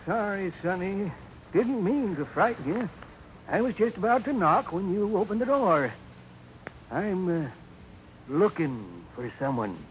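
Seeking mild old-timer: high voice, hesitant folksy delivery, vintage radio drama on a dull recording. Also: male voice, animated, a little slow, background noise. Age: older. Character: folksy little old man, pleasant-faced, secretly murderous. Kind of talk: 1950s radio acting.

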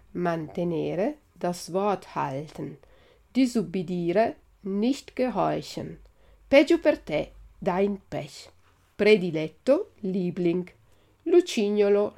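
A woman teacher reading a story aloud and going through vocabulary in a clear, deliberate way. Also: fairly low pitch, darkish tone. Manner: clear, deliberate word-by-word delivery. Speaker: Italian teacher. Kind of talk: slow storybook reading for learners.

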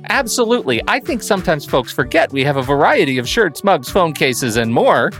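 A man's voice: on the high side, big pitch swings, brisk, fairly bright tone, faint music behind. A man co-hosting a film podcast, reading a scripted sponsor and merch spot in a chirpy, salesy way. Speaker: podcast host. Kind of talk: scripted ad read.

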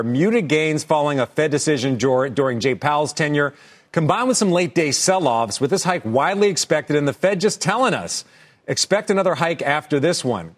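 Higher-pitched male financial news anchor. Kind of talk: broadcast financial news presenting.

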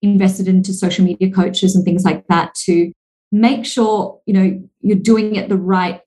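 A woman in her thirties, a podcast guest, talks easily and with energy at a middle pitch. Her speech runs on in long stretches, full of casual fillers. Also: unhurried, low-quality recording. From Singapore. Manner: fluent, energetic, frequent "like" and "you know" fillers. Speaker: podcast guest, speaker and author. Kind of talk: casual interview conversation.

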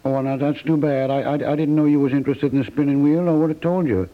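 An actor playing a laconic, canny antique shop keeper with folksy rural phrasing in a 1950s radio comedy. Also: male voice, medium pitch, close to an everyday voice. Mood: slyly regretful. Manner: folksy, drawling rural phrasing, unhurried salesman. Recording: tinny, band-limited 1950s radio recording.

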